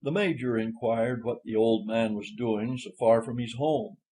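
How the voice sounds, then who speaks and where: A male audiobook narrator reads literary fiction. His voice is mellow and of medium pitch, with a scripted storytelling delivery. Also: a little slow, poor audio.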